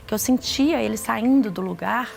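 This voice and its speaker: A middle-aged woman from Brazil giving an earnest personal testimony, talking haltingly and restarting often. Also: on the high side, gravelly, faint music behind.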